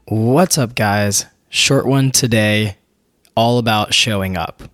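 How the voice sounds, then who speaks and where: A young man hosting a podcast, hoarse from a recent illness, talking earnestly and encouragingly straight to his listeners. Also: fairly low pitch, takes it slowly, over music. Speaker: podcast host, physical therapist. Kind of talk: casual motivational monologue.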